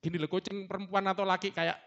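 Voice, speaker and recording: A man's voice: high voice, flat delivery, quick pace, a bit bright, muffled recording. A middle-aged man preaching a sermon in a church, joking with the congregation and imitating animal sounds. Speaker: pastor. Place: church hall.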